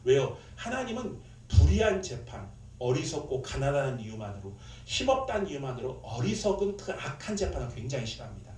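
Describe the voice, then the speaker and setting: Male pastor, sermon delivery, animated, slips into mock-scolding voices, a bit off-mic in a roomy church. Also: mid-range voice, fairly quick, few pauses, distant mic. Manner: animated, acts out scolding in quoted lines, laughs at own stories. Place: church sanctuary. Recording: echoey room, speaker away from mic, faint noise.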